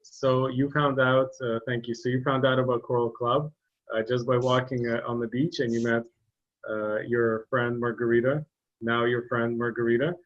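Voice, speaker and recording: A man's voice: medium pitch, flat delivery, normal speed, highs cut off. A man interviewing a guest, asking questions hesitantly with many fillers.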